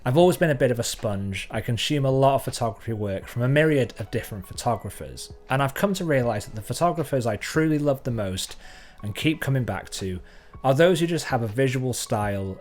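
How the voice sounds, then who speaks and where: A man's voice: medium pitch, lively intonation, brisk, soft background music. A man from North Wales, a photographer talking to his viewers in a thoughtful, conversational way. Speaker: photographer and channel host. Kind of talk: reflective talk to camera.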